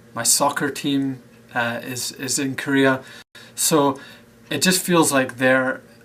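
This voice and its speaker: With a bright, sharp tone, a man talks at a fairly slow pace using fairly even intonation. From UK. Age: 20s. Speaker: English teacher. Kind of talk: self-introduction video. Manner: halting, with many fillers.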